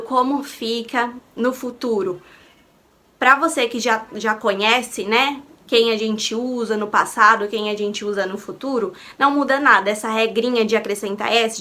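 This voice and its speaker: A Brazilian woman with a Portuguese first language teaches English grammar online, walking through each rule patiently. She asks herself rhetorical questions and repeats the key points. Her voice is bright and sits somewhat high. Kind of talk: explanatory online lesson.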